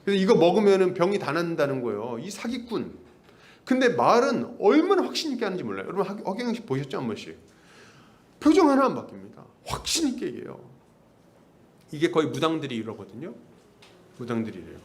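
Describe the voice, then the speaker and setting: A man preaching an expository sermon as a pastor, lively and now and then imitating others. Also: on the high side, fast talker. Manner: lively, mimics the people he talks about.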